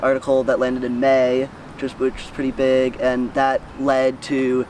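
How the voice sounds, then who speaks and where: A high-school-age American young man speaks in a mid-range voice in a casual interview. He is earnest and often repeats words as he thinks aloud. There is faint background noise. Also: completely flat delivery, moderate pace, darkish tone, far from the mic, low-quality recording. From United States, Missouri. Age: teenager, high school student. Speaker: student newsletter writer, interviewee.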